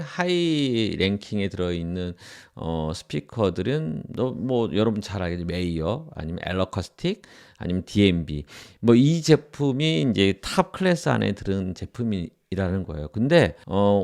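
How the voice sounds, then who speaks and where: A man's voice: lowish voice, gravelly. A man giving an informal tutorial lecture as an audio instructor, explaining and often restating his points for emphasis.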